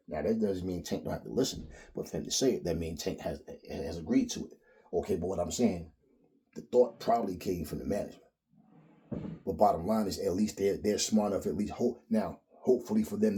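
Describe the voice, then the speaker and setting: A man with a lowish, mellow voice, ranting on his own about boxing. He talks bluntly and profanely, with lots of animated emphasis. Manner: blunt, profane, animated, mimics others in quotes. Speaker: boxing commentary host. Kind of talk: opinionated solo rant.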